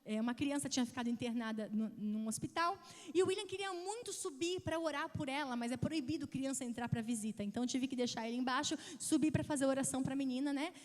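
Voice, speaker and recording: High-voiced Brazilian woman preaching in a hall. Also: fast talker. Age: 30s. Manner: emphatic, acts out quoted voices. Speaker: pastor. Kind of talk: sermon with storytelling. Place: church hall, broadcast on TV. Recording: long reverb of a church hall.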